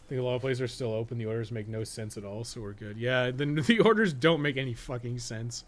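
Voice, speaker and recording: A man's voice: mid-range voice, quick pace. A man in his thirties with a Canadian accent, chatting in a casual, rambling, profane way while playing a game on a livestream. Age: 30s. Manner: profane, colloquial. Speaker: gaming livestream host. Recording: noticeable background noise.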